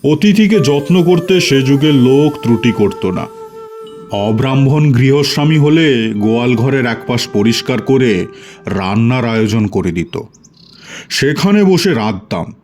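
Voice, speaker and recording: A man's voice: mid-range voice, lively intonation, a little slow, darkish tone, faint music behind. A man narrating a scripted story in a dramatic storytelling style.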